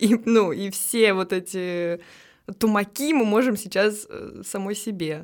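A woman speaks at a very slow pace with long, frequent pauses. Her medium pitch shows ordinary pitch variation. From Russia, Tolyatti. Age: 20s. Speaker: cinematographer and editor. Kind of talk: interview.

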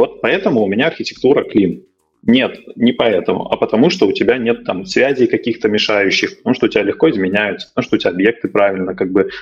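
Music in the background behind a man speaking at a fairly quick pace. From Belarus, Minsk. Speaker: Android team lead. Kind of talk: casual chat.

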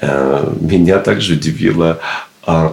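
Noticeable background noise surrounds a man whose very deep, low voice shows ordinary pitch variation. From Russia, Obninsk near Moscow. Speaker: immigrant. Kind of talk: casual interview.

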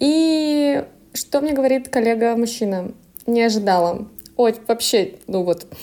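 Very slow and broken by long, frequent pauses, a woman's fairly high, dark, mellow voice has lively intonation and very even loudness. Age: 30s. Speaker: journalist and graduate student. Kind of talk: casual chat. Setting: in person, together in Antwerp.

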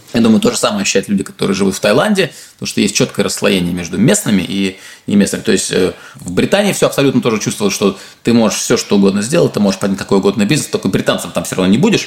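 A man rattles off his words very fast while noticeable background noise carries on. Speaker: startup founder. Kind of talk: interview. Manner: halting, with fillers and repetitions.

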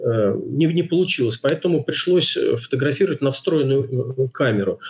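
A man's somewhat breathy voice at a moderate pace, with ordinary pitch variation. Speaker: underwater photographer. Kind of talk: casual interview. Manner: hesitant, many filler sounds.

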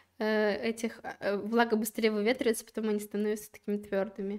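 A woman with a fairly high pitch talks in a flat, monotone way. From Kazakhstan, Almaty. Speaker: shogi player and student. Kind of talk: casual interview. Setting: live studio broadcast.

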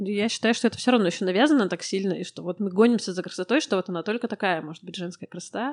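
Against a quiet background with a dry, close sound and no echo, the speech races at a very fast pace with hardly any pauses, big swings in loudness and ordinary pitch variation. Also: woman, medium pitch for a woman. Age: 30s. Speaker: interior designer. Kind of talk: casual chat.

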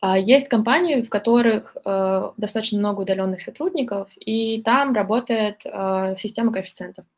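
A woman speaks in a normal speaking voice at a moderate pace, with hardly any pauses. Her pitch is fairly high, with ordinary variation. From Moscow, Russia. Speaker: marketer. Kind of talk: interview.

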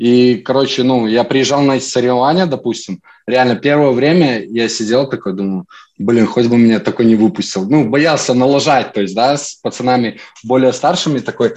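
A man speaks in a plain, everyday voice, medium in pitch with ordinary pitch variation. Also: moderate pace. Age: 20s. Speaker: professional poker player. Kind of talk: casual interview.

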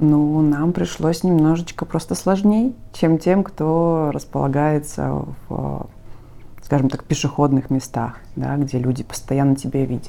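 A woman speaks at a very deep, low pitch in a dark, mellow tone. She talks at a fairly slow pace with ordinary pitch variation. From Rubtsovsk, Altai Krai, Russia. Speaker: florist and entrepreneur. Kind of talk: interview.

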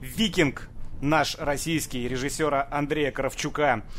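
This man's voice sits fairly high. His intonation is fairly even. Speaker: gaming podcast co-host. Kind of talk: casual chat. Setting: Skype call. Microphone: poor sound, misbehaving computer mic.

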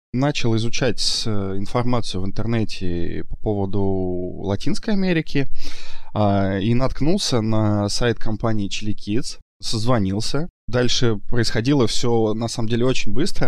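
A man talks at a fairly slow pace in a plain, everyday voice. His pitch is medium, with ordinary pitch variation. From Moscow, Russia. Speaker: business consultant, emigrant. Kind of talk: recorded personal story.

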